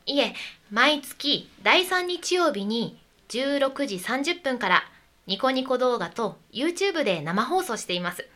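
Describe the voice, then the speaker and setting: A woman from a visiting theater troupe, describing their shows in a cheerful, clear way. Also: sits high, sing-song, takes it slowly, sharp tone. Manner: cheerful, clear, with light laughs. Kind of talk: radio interview.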